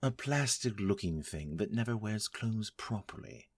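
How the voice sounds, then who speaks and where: A man playing a haughty, vengeful vampire lord in an audio drama, husky and pompous. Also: on the low side, lively intonation, no echo, clean studio sound. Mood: scornful. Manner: pompous, imperious, slow and deliberate. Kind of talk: scripted audio drama acting.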